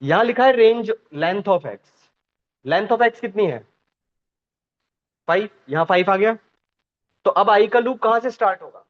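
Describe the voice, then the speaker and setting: High-voiced man teaching a class. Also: expressive. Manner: asks the class questions and repeats points slowly. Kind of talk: classroom programming lesson. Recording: dull lo-fi sound.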